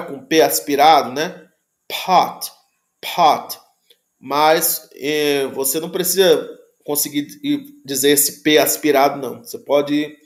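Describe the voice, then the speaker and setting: A man's voice: a little high, reverberant. A man teaching Greek pronunciation in a lecture, patiently repeating sounds and checking that students follow.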